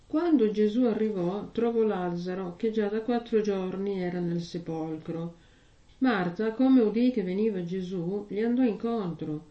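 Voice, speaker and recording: A woman preaches to a congregation, first reading scripture in slow, weighty phrases, then talking it through plainly with questions to her listeners. Her voice sits at a middling pitch. She sounds far from the mic in a roomy church, and the recording is muffled and lo-fi. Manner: slow, measured reading with heavy pauses; conversational preaching with rhetorical questions. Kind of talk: gospel reading and sermon. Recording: echoey, distant, dull lo-fi sound.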